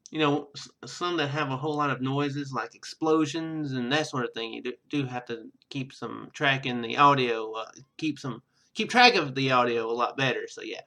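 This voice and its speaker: A man giving casual gameplay commentary in a halting, rambling, self-deprecating way. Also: medium pitch, sharp tone. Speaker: let's player. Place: indoor room at home.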